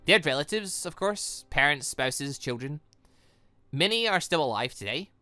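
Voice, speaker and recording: A man voicing a serious, guarded young female hunter in a visual novel, measured and matter-of-fact. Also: fairly high pitch, expressive, bright, forceful tone, dry recording. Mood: serious, subdued. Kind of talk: visual novel dialogue reading.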